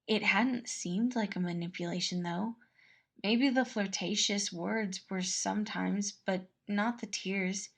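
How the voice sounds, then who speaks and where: A woman narrates a fan-fiction story in a mid-pitched voice with noticeable fry. Her delivery is expressive and measured, clearly read from a script. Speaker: fan-fiction podfic reader.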